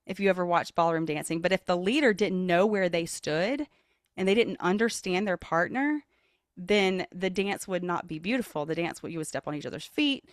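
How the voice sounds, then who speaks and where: A woman's voice: moderate pace, dry recording, studio quality. A woman vocal leadership coach, a podcast guest, who speaks in an earnest, motivational way and jumps into playful voices to demonstrate. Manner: expressive, demonstrates voices with big pitch jumps. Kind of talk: podcast interview.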